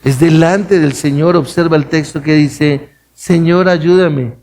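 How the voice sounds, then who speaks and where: A man's voice: steady tone, measured pace, darkish tone. A man preaching a sermon, speaking straight to his listeners with rhetorical questions and acting out pleading voices. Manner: acts out pleading voices, rising high for cries; addresses listeners directly, asks rhetorical questions. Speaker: pastor.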